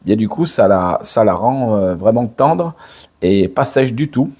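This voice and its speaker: An older man, hoarse from a cold, chatting slowly to camera with many hesitations and restarts. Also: fairly low pitch, expressive, mellow. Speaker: father and channel host. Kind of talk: casual direct-to-camera chat.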